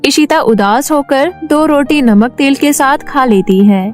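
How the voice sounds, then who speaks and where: A woman narrating a cartoon story in a steady, plain storytelling manner. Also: sits high, measured pace, faint music behind.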